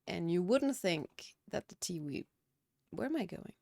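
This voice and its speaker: Woman, Danish accent, gravelly, lowish voice, dry close sound, chatty streamer. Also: big pitch swings, measured pace, mellow, no echo. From Denmark. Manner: chatty, reads out chat questions and answers them. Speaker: game streamer. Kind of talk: casual chat while gaming. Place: home room, windows and curtains.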